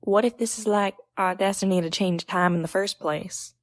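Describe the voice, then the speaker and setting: A woman playing an excitable, hopeful and curious young adventurer in an audio drama. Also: mid-range voice, moderate pace, dry recording, natural voice. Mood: curious, unsure.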